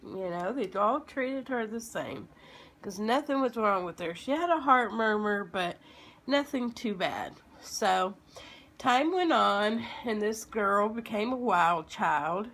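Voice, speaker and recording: Slow-talking, slightly froggy woman storyteller. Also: medium pitch, lively intonation, a bit bright. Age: 30s. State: sick with a lingering illness. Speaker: video blogger telling a personal story. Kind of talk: informal personal storytelling, as if to children.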